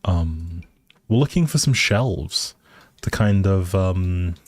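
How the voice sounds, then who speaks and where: A man's voice: deep voice, animated, slow pace, dry recording. A man casually chatting with viewers as he hosts a game stream, easygoing and rambling in a hesitant way. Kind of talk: casual chat with viewers while gaming.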